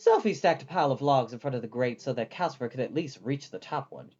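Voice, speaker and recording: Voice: medium pitch, expressive, fast, darkish tone, slightly rough, lo-fi sound. A storyteller reading a fantasy novel aloud as scripted storybook narration.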